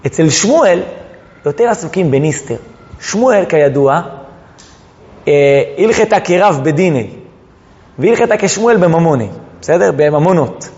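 A man teaching a lesson on religious texts, animated, drawing out words for emphasis as he tells the stories. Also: high-pitched. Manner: animated, drawn-out emphasis, storytelling. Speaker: Torah teacher. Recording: dull recording in echoing hall.

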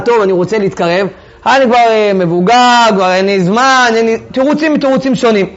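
A man's voice: sits high, lo-fi sound. A man teaching a Torah text class, reading sources aloud and then explaining them in casual everyday speech. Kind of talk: text-study lesson to a class.

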